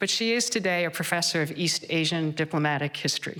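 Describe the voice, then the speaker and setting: In an American accent, a woman speaks in an unremarkable speaking voice at a fairly low pitch with ordinary pitch variation. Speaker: storyteller. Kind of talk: live storytelling performance.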